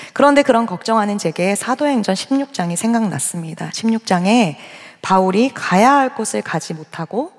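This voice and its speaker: A woman pastor with a slightly husky, breathy voice preaches in a conversational, storytelling way, often putting questions to the congregation. Her voice sits in a middle range, and the words ring out with the long reverb of a large church hall. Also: mid-range voice. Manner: acts out her own side of dialogues in quotes. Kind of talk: sermon with personal testimony.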